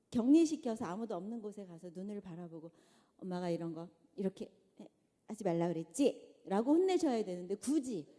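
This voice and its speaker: A middle-aged woman giving a conversational church lecture to mothers, animated and often asking the audience questions. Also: medium pitch. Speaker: guest lecturer. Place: large church hall. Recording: long church hall reverb.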